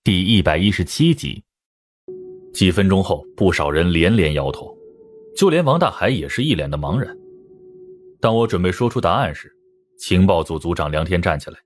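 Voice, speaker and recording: Very deep-voiced male audiobook narrator. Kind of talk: scripted dramatic detective-novel narration in first person.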